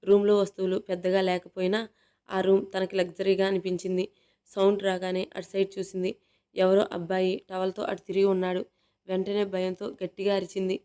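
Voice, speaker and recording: A woman storyteller narrates a romantic family tale in an even, unhurried reading. Her voice is smooth and clear, and her pitch barely moves from line to line. The pace stays steady throughout.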